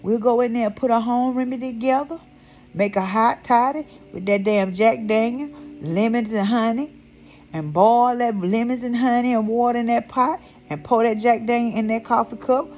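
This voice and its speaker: A woman's voice: on the high side, moderate pace, a little mellow, faint music behind. A middle-aged woman ranting casually in a vlog, blunt and heated, swearing freely and repeating her points for emphasis in a Southern US Black vernacular. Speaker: vlogger.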